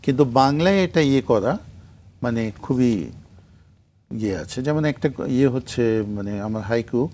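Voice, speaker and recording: A mellow, dark-toned older man speaks as a studio guest, rambling between thoughts and filling gaps with hesitations. He breaks into recitations of short poems, and a faint hiss sits under his voice. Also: medium pitch, measured pace, long pauses. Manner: rambling, many fillers, reads his short poems aloud. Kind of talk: relaxed interview talk with poetry recitation.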